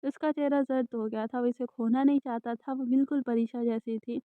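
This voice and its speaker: A woman narrating a romance novel in a soft, even storytelling manner. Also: fairly high pitch, clear, resonant tone, dry recording. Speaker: audiobook narrator. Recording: dry, tinny phone-like sound.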